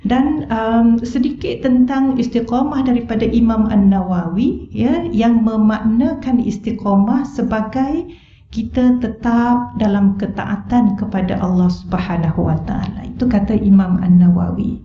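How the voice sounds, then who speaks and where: In a mosque hall, a middle-aged Malaysian woman gives an earnest religious talk, speaking a little slowly in a fairly high voice. She throws rhetorical questions at her listeners through a wireless mic, captured in a dull-toned, roomy recording.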